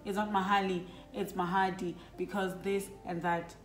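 A woman's voice: medium pitch, flat delivery, moderate pace. A middle-aged woman from Lesotho telling a personal story to her children, casual and reflective, with many fillers. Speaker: vlogger talking with her children. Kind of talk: casual family chat. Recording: roomy echo with faint background music.

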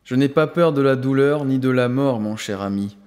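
A man voicing a calm, commanding male spiritual master who speaks solemnly and firmly. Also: mid-range voice, big-room sound, natural voice. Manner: solemn, firm and measured.

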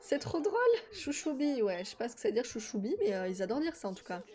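A woman, chatting casually as she plays a life-sim game, talking to her characters and her viewers and quick to exclaim at what she sees. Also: on the high side, sing-song, dark tone. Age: 20s. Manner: quick exclamations of delight and confusion. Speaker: gaming YouTuber. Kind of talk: casual Let's Play commentary.

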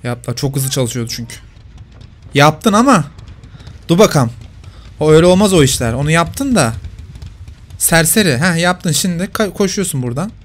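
A man's voice: on the high side, lively intonation, normal speed, long pauses. Man teasing as he plays. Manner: talks to the players he hunts, teasing. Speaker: gameplay commentator. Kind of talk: live game commentary.

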